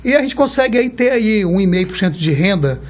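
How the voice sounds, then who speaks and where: Guesting on an interview, this Brazilian man in his fifties, a car rental executive, speaks briskly with lively intonation in a somewhat high male voice. His storytelling is warm and rambling, and he keeps tagging lines with "right?" to check on his listener.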